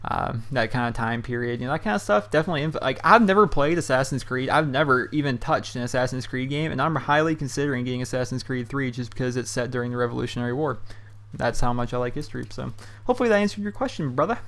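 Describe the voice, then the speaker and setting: A man's voice: medium pitch, fast talker, a bit bright. A young man hosting a casual question-and-answer show from his bedroom, talking loosely with lots of um and you know. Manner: loose and chatty, heavy on fillers like um and you know. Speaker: YouTube host answering viewer questions. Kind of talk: casual rambling commentary. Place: his hot bedroom at home.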